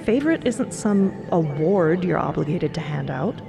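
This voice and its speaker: A woman's voice: fairly low pitch, lively intonation, moderate pace, vocal fry, over music. A woman playing a no-nonsense grandmother and sword mentor in an audio drama, firm and reassuring. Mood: firm reassurance. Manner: firm, reassuring, matter-of-fact. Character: steady, no-nonsense old granny and sword mentor.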